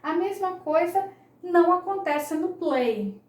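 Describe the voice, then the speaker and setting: Slow-talking woman teacher. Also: very high voice, lively intonation, roomy sound. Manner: slow, patient, repeats key points. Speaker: English teacher. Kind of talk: explanatory online lesson.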